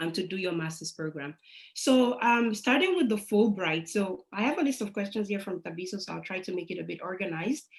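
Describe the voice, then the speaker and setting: A woman speaks with lively, bouncing intonation at a fairly quick pace. Her voice is somewhat breathy. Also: medium pitch for a woman. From Nigeria and Spain (Barcelona). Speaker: scholarship YouTuber and seminar speaker. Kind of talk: webinar presentation. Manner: animated.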